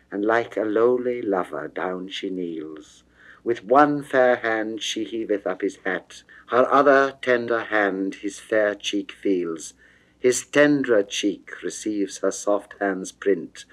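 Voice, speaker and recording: A man narrating a poem as theatrical classical verse, moving between hushed and declamatory delivery. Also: on the low side, poor audio. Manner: dramatic, measured, swinging between hushed and declamatory. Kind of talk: classical theatrical verse recitation, 1960s recording.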